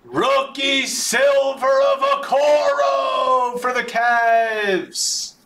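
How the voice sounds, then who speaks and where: A man hosting a live sports card break, announcing names in an excitable, drawn-out way, his voice starting to wear. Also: very high voice, gravelly. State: voice starting to give out. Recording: roomy echo, background noise.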